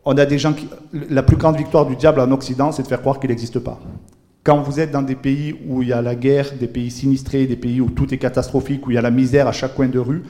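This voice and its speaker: An earnest man preaches a sermon in church. His voice is mellow and warm at a middling pitch. He restarts phrases and repeats words to drive them home. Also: flat delivery, fast. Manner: earnest, repetitive emphasis, many restarts.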